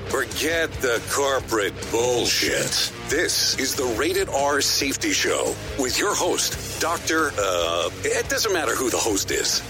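A man voices a brash radio show introduction. His pitch swings widely and his delivery is punchy. A music bed plays clearly behind him. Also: very animated, slow pace. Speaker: show announcer. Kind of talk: radio imaging voice-over.

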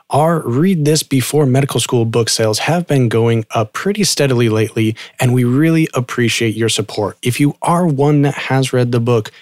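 A man's voice: mid-range voice, darkish tone, no echo, clean studio sound. A man hosting a podcast interview over a video call, friendly and talking in long run-on sentences. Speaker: podcast host. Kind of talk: casual interview.

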